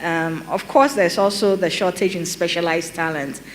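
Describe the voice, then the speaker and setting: A woman's voice: lowish voice, slight background noise, low-quality recording. Ghanaian woman speaking on a panel. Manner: measured, explanatory, with frequent ums and restarts. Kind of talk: conference panel talk.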